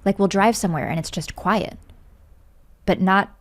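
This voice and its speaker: Appearing as a podcast guest, a young woman who works as a voice actor and singer speaks at a medium pitch and normal speed. Giggly and chatty, she shares anecdotes peppered with "like."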